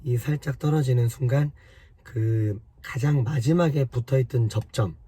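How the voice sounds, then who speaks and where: A man with a hoarse voice from a cold, patiently explaining car repair step by step to his viewers in a casual way. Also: medium pitch, normal speed, warm tone. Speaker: car maintenance vlogger.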